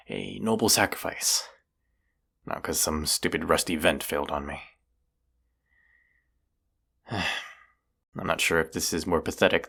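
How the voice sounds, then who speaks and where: A man playing a cocky, self-deprecating young vampire hunter in a roleplay audio, with a gravelly, teasing, casually sarcastic delivery. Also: a bass voice, a bit bright, full character voice. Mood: resigned, self-mocking.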